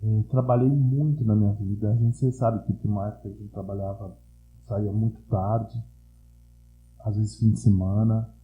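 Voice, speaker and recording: A man in his sixties from Brazil with an Italian-influenced São Paulo accent, chatting casually as an interview guest and telling stories in a slangy, animated way. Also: lowish voice, normal speed, phone-quality sound. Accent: Italian-influenced São Paulo Portuguese. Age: 60s. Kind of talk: casual chat. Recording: roomy, echoey sound.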